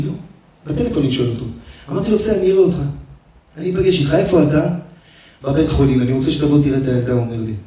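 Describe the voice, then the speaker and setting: A man, a rabbi, preaching an emotional sermon and telling stories, his delivery swinging between loud and hushed. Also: fairly high pitch. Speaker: rabbi giving a lesson. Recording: echoey hall, speaker far from the mic.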